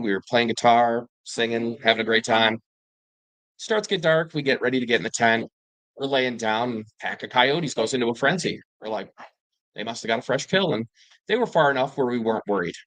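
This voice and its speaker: A man telling his own eerie wilderness encounters in a casual, rambling way, with fillers and restarts and excited bursts when he quotes himself. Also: medium pitch, no room sound, low-quality recording. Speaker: panel guest telling paranormal encounters. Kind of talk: casual storytelling.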